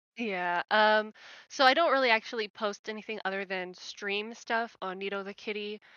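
Her voice sits fairly high, with a bright, sharp tone. She is a woman whose pitch varies in an ordinary way. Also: moderate pace, quiet background. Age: 20s. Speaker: podcast co-host. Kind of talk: casual chat.

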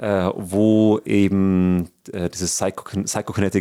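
Against a silent background in a very clean recording, a man speaks in a very deep, low pitch with a dark, mellow tone and monotone, flat intonation. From Lower Bavaria. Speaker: mentalist. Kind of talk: casual chat.

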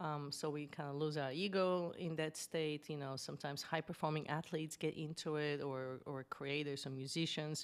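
A woman with a Bulgarian accent speaks in a very deep, low voice with monotone, flat intonation and hardly any pauses. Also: moderate pace. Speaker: business coach, founder. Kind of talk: interview. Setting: remote call.

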